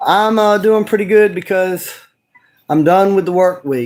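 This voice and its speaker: A man with a Southern US accent talks at a moderate pace. His intonation is fairly even. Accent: Southern US (Georgia). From US South, Georgia. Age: 30s. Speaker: livestreamer, manual laborer. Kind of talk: casual livestream storytelling. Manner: casual, halting with self-corrections.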